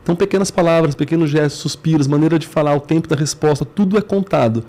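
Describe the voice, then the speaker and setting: Brisk Brazilian man explaining earnestly. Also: fairly high pitch, a little mellow. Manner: earnest, instructive, piles up short phrases. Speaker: guest, business management CEO. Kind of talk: explanatory interview talk.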